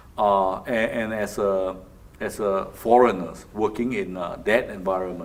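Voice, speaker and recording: Speaking fairly slowly in a fairly low voice, a man is heard with audible room echo. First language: not English. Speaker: insurance executive. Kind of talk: interview. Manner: halting, many fillers.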